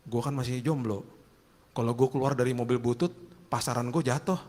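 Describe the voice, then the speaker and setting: A man's voice: medium pitch, brisk, darkish tone, close to an everyday voice. A man voicing a proud, broke young man with a Jakarta accent who mumbles sheepish excuses. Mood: glum. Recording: long hall reverb.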